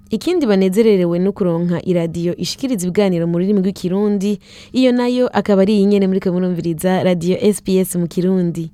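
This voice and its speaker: Woman radio presenter, scripted, fast, mellow, dry booth sound. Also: medium pitch, no room sound.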